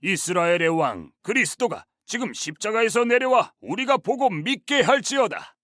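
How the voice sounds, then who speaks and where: A man's voice: high voice, big pitch swings, moderate pace, a bit bright, no echo, studio quality. A man playing governors, soldiers and crowd figures in a theatrical, declamatory dramatized Bible reading. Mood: mocking.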